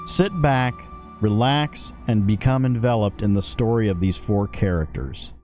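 A man's voice: fairly low pitch, measured pace, a little mellow, soft background music. A middle-aged man hosting an audio series, giving an informal introduction straight to his listeners.

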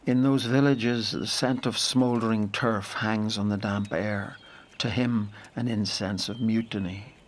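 An actor as deep brooding storyteller. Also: male voice, steady tone, slight background noise, natural voice. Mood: brooding, measured. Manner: measured, lyrical, deliberate phrasing. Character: brooding male storyteller of a boy's lonely journey. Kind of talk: literary audio drama narration.

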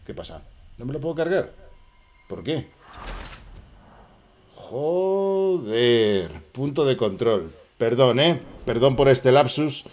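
A man with a Spanish accent giving excitable, swearing live commentary while playing and chatting to viewers. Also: medium pitch, moderate pace, slight background noise. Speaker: gaming streamer. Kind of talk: casual live gameplay commentary.

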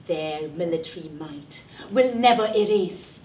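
A hoarse woman voicing a chorus of defiant elderly indigenous grandmothers, declaiming between loud cries and hushed whispers. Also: lowish voice, animated, unhurried, slight background noise. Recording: roomy hall from a distant mic.

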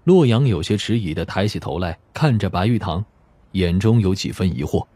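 A man's voice: sits low, lively intonation, normal speed, mellow, breathy edge, no echo. A man narrating a novel in a scripted, dramatic audiobook style.

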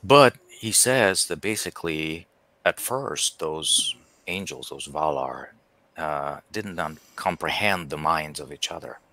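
Very deep, bright-voiced middle-aged man. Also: expressive, slow pace, dry recording. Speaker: guest on a livestream discussion. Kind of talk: casual reflective discussion. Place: indoor room at home, on a video call. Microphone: headset on a video call.

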